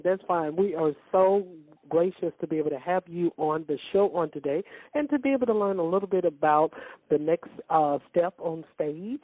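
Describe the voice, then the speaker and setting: A woman's voice: low-pitched, no room sound. A woman hosting a radio interview, asking rambling questions full of fillers and restarts. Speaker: radio show host. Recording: dry tinny phone-line sound.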